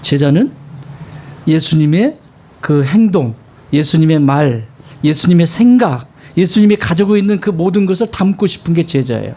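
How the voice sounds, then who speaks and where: A man's voice: on the high side, animated, moderate pace, warm tone. A male pastor preaching a sermon in a conversational way, asking his congregation questions and stressing points emphatically.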